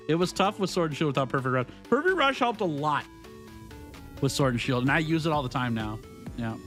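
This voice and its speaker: A man's voice: fairly high pitch, pushed and bright. A man live-streaming a video game, chatting casually with his viewers, joking and laughing often as he reads their messages aloud. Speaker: gaming streamer.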